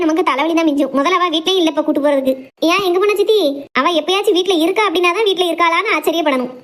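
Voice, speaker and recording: A woman's voice: very high voice, a bit bright. A woman acting out a family skit in a complaining, gossipy manner.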